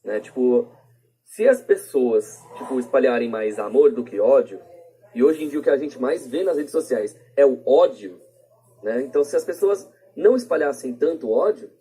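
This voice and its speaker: Speaking at a medium pitch with a warm, slightly rough tone, a Brazilian man chats as a podcast guest. He gives his views casually and wanders a bit, leaning on frequent tag questions. It's a plain podcast voice recording, and the audio quality is poor.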